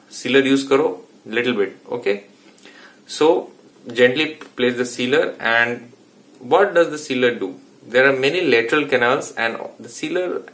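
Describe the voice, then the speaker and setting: A man's voice: medium pitch, a bit bright. A man in his thirties with an Indian accent, a dentist explaining root canal work in an informal, self-correcting way in a small clinic room. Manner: explanatory, informal, with frequent restarts. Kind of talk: instructional vlog.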